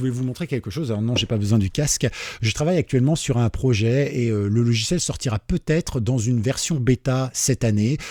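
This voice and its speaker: This man talks at a fairly quick pace with a medium pitch and a dark, mellow tone. The sound is dry and close, with no echo. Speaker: webradio trainer and YouTuber. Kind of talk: casual talk to camera. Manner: conversational, relaxed, with filler words.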